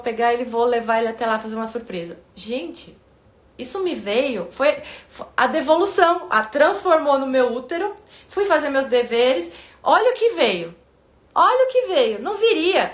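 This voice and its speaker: A woman in her thirties with a Brazilian Portuguese accent, talking casually to her viewers and acting out her inner voices in sudden high bursts. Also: roomy sound. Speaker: vlogger giving relationship advice.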